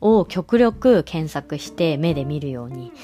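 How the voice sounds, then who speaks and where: A woman's voice: sits low, expressive, measured pace, warm tone, soft background music. A young woman hosting a casual solo podcast, chatting loosely with many fillers and frequent little laughs. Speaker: podcast host.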